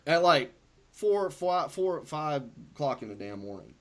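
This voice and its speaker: Man, podcast host, casual storytelling, profane, animated, rambling, slightly high pitch. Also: a little slow.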